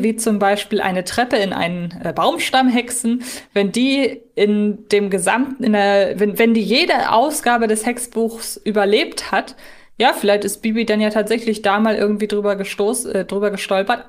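A woman co-hosting a podcast in a casual, analytical way, correcting herself as she thinks aloud. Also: mid-range voice. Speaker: podcast co-host.

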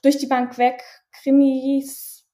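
Slow and completely flat in delivery, her voice is high yet dark in tone. She is a thirty-something Berliner raised bilingual in German and French, sharing her story frankly in an interview while hesitating and filling pauses often.

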